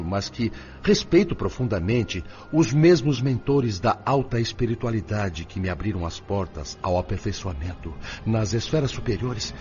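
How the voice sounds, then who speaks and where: Ator fazendo um avô angustiado e indignado, voz bem variada. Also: male voice, medium pitch, a little mellow, close to an everyday voice. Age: older. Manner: emphatic, exclamatory. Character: anguished, indignant grandfather spirit fretting over his family. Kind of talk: radio drama acting. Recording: dull lo-fi audio with music behind.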